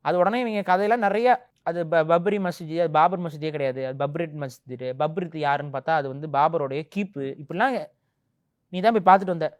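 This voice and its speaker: A man's voice: a little high, brisk. A man giving a heated opinion in an interview, speaking with indignant force that keeps rising into emphatic outbursts.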